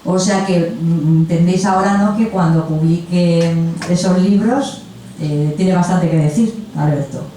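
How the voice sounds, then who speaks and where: At a literary panel in a festival event room, a woman with a lowish, mellow voice introduces the guests at a measured pace, her manner chatty, effusive and informal. The recording is echoey, with a distant mic and slight noise.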